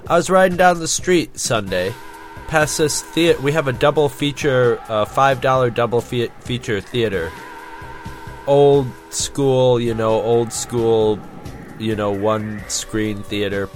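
Rambling male podcast co-host, faint music behind. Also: mid-range voice. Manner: rambling, halting. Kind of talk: casual chat.

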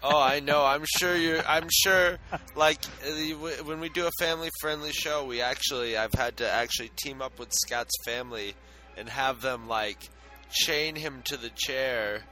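A man's voice: medium pitch, normal speed, pushed and bright, soft background music, rough recording. A man co-hosting a podcast in casual chat, talking in a jokey, rambling way. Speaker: podcast co-host.

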